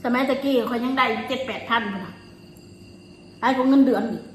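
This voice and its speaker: In a roomy, slightly noisy recording with insects, a woman speaks in a fairly high voice. She has an Isan accent from northeastern Thailand. She chats casually, telling her stories while chewing. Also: fast talker. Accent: Isan, northeastern Thai. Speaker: vlogger. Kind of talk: casual chat, recounting personal stories. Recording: roomy echo, faint noise, insects.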